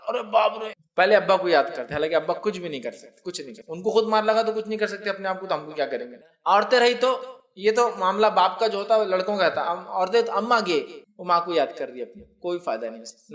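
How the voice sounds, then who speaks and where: A man with a fairly high voice preaches in an easy, talk-to-you manner. He explains through homely examples, restarts his sentences and keeps asking whether his listeners are following along. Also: a bit bright. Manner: conversational and unscripted, with restarts and asides. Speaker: Islamic preacher. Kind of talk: religious talk.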